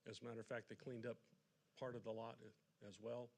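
Man making halting, deliberate public remarks. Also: medium pitch, little pitch movement, creaky. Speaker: public commenter. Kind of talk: public remarks in a formal but plain register. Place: city council meeting room, at public podium.

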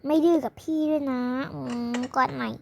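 A child voicing a gentle, doting mother of two girls, coaxing and scolding softly in a pretend play. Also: high-pitched, fairly quick, vocal fry, a little hiss or hum.

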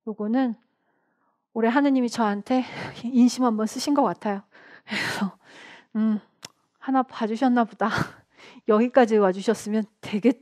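Chatty, higher-voiced woman lecturing. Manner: chatty, animated, laughs often; acts out short quoted lines. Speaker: exam prep lecturer. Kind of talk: online lecture.

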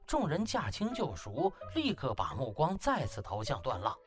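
A man's voice: medium pitch, huge pitch swings, normal speed. Male audiobook narrator, theatrical comic storytelling, hugely varied intonation, music behind the voice. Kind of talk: dramatic comic novel narration.

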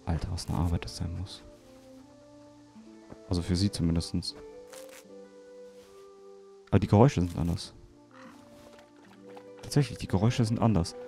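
A man's voice: lowish voice, creaky, dark tone. A man hosting a let's play, chatting and joking about game details as he plays. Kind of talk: casual gameplay commentary.

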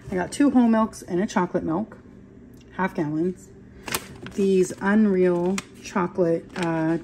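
A woman's voice: fairly low pitch, background noise. A woman in her thirties chatting casually through a grocery haul vlog in her home kitchen, rambling and correcting herself as she goes. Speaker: vlogger. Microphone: phone camera held close.

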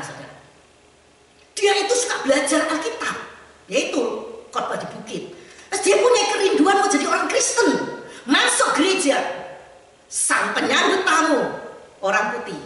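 A woman evangelist from Indonesia preaching a sermon, dramatizing quoted voices, recorded from a distance in a church. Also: sits high. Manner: animated, acts out quoted voices. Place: church sanctuary. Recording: echoey church hall, mic far off.

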